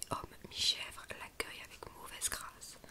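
A woman is speaking. She whispers. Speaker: ASMR video creator. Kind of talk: whispered narration of a children's storybook. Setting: studio microphone, binaural recording. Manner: whispered, soft, slow. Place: home room. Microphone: handheld.

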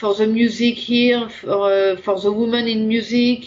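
A woman with a French accent, fairly high in pitch, fairly slow in pace and fairly even in intonation. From France. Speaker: singer. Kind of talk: interview. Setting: remote call. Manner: halting.

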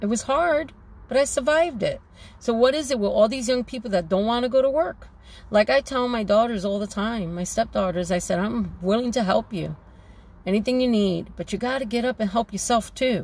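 The voice is somewhat breathy, moves at a fairly quick pace with ordinary pitch variation, and sounds dry with no echo. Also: woman, fairly high pitch for a woman. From New York City (Bronx). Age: 50s. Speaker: homemaker video blogger. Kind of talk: casual vlog monologue. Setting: in a car. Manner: animated. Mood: earnest, somewhat emotional. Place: car. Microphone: phone near.

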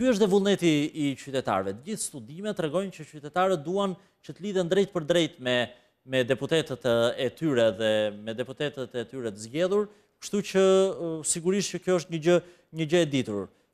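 A man speaks at a fairly high pitch and a fairly quick pace, with very wide pitch swings and big swings in loudness. The background is quiet. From Albania. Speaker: politician; guest. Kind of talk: studio interview. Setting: studio. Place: studio. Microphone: lapel.

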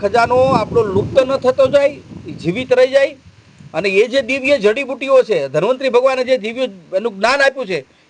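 There is noticeable background noise as a man talks at an extremely high pitch with ordinary pitch variation. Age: 50s. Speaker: ayurvedic healer and monk. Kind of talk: interview.

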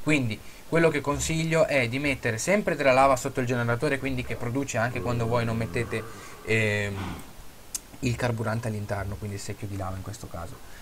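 A man with a slight southern Italian accent, medium pitch and ordinary pitch variation, at a fairly quick pace, over noticeable background noise. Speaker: gaming YouTuber. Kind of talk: let's play tutorial. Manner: casual, hesitant with fillers.

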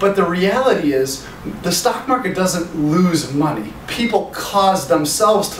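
Lively intonation marks a man's high-pitched voice. Light background noise and audible room echo are present. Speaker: financial advisor. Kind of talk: educational talk to camera. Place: office.

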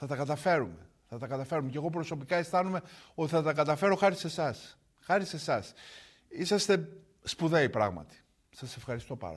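A man with vocal fry and lively intonation at a fairly quick pace, over a quiet background. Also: fairly high pitch for a man. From Greece, Athens (Vyronas); Greece. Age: 50s. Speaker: journalist, TV commentator. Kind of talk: solo political commentary monologue. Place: studio.

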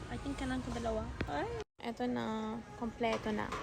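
A woman at a moderate pace in an animated tone, over noticeable background noise. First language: not Tagalog, learning it (speaking Tagalog). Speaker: vlogger. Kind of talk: cooking vlog.

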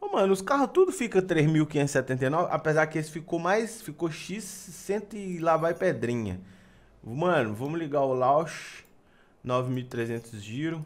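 Very wide pitch swings at a very slow pace. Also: man. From Brazil. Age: 30s. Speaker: gaming YouTuber. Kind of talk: gameplay commentary. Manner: animated. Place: home room. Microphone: studio mic.

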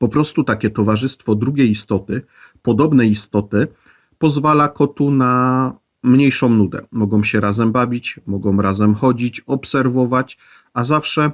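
In an ordinary speaking voice, a man speaks at a fairly slow pace with a medium pitch and ordinary pitch variation, the sound dry and close with no echo. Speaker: pet content creator. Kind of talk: educational monologue.

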